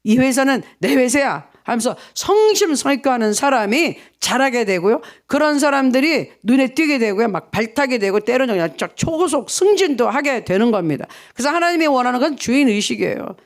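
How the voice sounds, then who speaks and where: A man's voice: extremely high pitch, very animated, a little fast, hardly any pauses. A male pastor giving an early morning sermon, asking many rhetorical questions and acting out the people in his story. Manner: rhetorical questions, acts out quoted voices.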